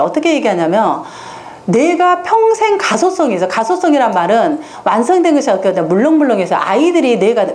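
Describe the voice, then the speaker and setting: Woman, parenting lecturer, animated and high-pitched, quizzes her audience, live hall. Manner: asks the audience quizzing questions and answers them herself.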